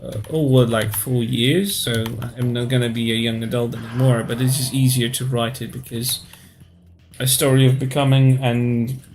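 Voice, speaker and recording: A man in his thirties from Poland, speaking English with a Polish accent in a casual live-stream chat, pausing often to search for words. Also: mid-range voice, flat delivery, a little mellow, a little hiss or hum. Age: 30s.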